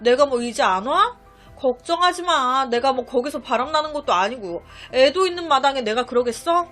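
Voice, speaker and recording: A scheming young woman sweet-talks her lover with breezy, coaxing reassurance, played by a woman narrator. The voice is high and swings widely in pitch, with faint music underneath. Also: lively intonation, normal speed, a bit bright.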